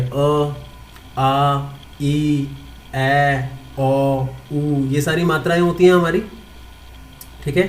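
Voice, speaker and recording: A man's voice: fairly high pitch, a little mellow, a little hiss or hum. A man teaching English grammar online, asking his students questions and answering them himself. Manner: mixes Hindi with English terms, repeats points.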